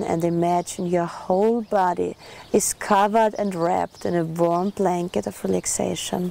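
A woman's soothing voice with an Austrian accent, a dry sound with no echo, light background noise behind her. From Austria, Vienna. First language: German. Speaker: hypnotherapist and relationship coach. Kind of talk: guided hypnosis induction, slow suggestive instructions to relax and deepen trance. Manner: slow, soothing, hypnotic pacing with counted-down cues; warm, intimate, affectionate address to the listener. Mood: calm, soothing. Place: garden.

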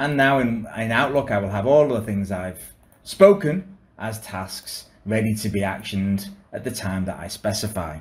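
A man's somewhat breathy voice, fairly low in pitch. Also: ordinary pitch variation, moderate pace. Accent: British. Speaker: software tutorial presenter. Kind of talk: tutorial. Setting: screen recording. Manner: clear, instructional.

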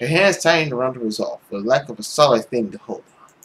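The tone is fairly bright, with a slightly husky edge. Delivery is fast, and the intonation is lively. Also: man, medium pitch for a man.

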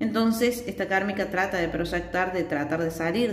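A woman speaks with ordinary pitch variation. Room echo is audible. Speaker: tarot reader. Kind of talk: tarot reading commentary. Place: home room.

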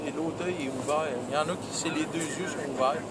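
Male speech of ordinary pitch variation against loud background noise. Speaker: whale-watching cruise guide. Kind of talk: guided tour commentary. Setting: outdoors. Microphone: phone near.

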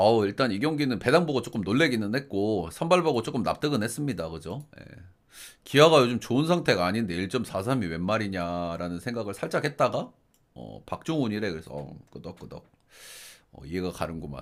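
The speaker keeps a moderate pace with very wide pitch swings and big swings in loudness. The recording is very clean, with a silent background. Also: man, fairly low pitch for a man. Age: 40s. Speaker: sports betting analyst. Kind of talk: sports betting analysis. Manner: casual, many fillers.

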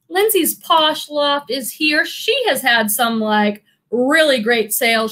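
A woman talks in a high, bright, sharp voice with lively intonation, raised and projected. The background stays quiet. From Massachusetts, Boston area. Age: 40s. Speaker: online reseller and YouTuber. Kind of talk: casual livestream chat. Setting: live stream with chat. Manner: animated. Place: home room. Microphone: webcam.

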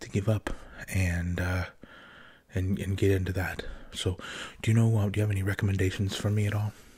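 Against a quiet background, a man sounds somewhat breathy and uses monotone, flat intonation. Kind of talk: casual role-play chat. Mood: calm, hesitant, polite. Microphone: webcam.

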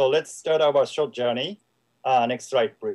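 With a Japanese accent, a man speaks in fairly even intonation over a quiet background. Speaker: private equity investor. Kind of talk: business presentation. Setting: video call. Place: home room. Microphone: webcam.

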